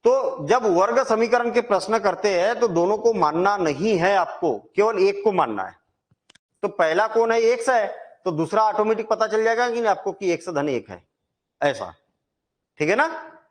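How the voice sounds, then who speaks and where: A man with a high voice explains a maths exercise step by step. He talks to his students in a chatty, reassuring way, and he keeps asking questions and then answering them himself. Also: lively intonation, normal speed. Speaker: maths teacher. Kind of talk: Hindi maths lesson.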